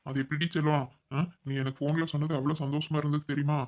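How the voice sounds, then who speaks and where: A man's voice: fairly high pitch, level tone, fast talker, highs cut off, lightly acted. A man voicing a young husband back from abroad in a cartoon, tenderly soothing his tearful wife. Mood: doting, soothing. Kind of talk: cartoon voice acting.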